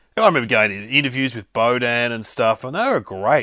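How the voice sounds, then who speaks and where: Talking at a fairly quick pace with an Australian accent, a man uses a medium pitch and a bright, sharp tone in a dry, close sound with no echo. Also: very clean recording, silent background. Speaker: stand-up comedian and former band bassist. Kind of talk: casual chat.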